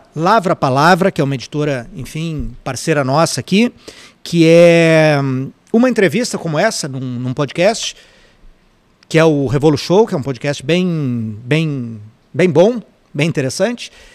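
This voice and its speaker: A man's fairly high voice with lively intonation, a fairly slow pace and long, frequent pauses, over a quiet background. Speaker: podcast host and bookseller; podcast host, bookseller. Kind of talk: interview before live audience. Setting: bookstore with live audience. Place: shop. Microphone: studio mic.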